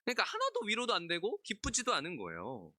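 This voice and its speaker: A male pastor delivers a conversational expository sermon at a midweek service, questioning the congregation, acting out biblical characters in asides and laughing often. His high voice swings hugely in pitch at a quick pace with a sharp tone, and the studio-quality recording has no echo.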